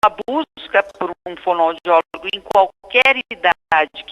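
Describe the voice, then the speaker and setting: A middle-aged woman with a Brazilian Portuguese accent speaks as a speech therapist guest on a radio program. Her voice is bright, and she explains things patiently, like a teacher. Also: on the low side, animated, a little slow, lo-fi sound.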